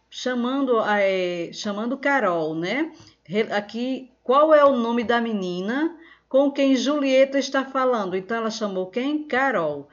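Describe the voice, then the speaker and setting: A Brazilian woman teaches young children in a slow, patient voice, checking often that they follow. Her voice sits in a middle range. The home recording is dull and lo-fi. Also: mid-range voice. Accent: Brazilian Portuguese. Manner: slow, patient, repeats each step with "certo?". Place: at home, phone nearby.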